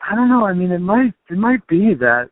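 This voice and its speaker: A man's voice: high voice, very animated, fairly quick, no echo. A man muses loosely in casual chat, full of filler words. His voice sounds dry and thin, as if over a phone line. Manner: musing, loose, many fillers.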